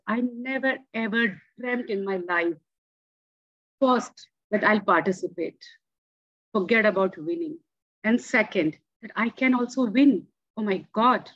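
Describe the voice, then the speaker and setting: A woman in her forties whose first language is Hindi speaks with earnest emphasis, her voice a touch high. The video call audio is dull and lo-fi, and the sound is dry and close. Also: fairly bright tone, dry recording. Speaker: club member answering a table topic. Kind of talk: impromptu speech. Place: home room.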